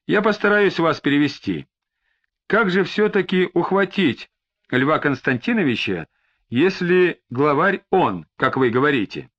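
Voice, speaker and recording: Man doing a cool police detective, measured questions, faintly disdainful, lively intonation, lo-fi audiobook. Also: on the high side, exaggerated voice. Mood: probing. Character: calm, mildly disdainful male police detective. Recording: slightly dull lo-fi recording.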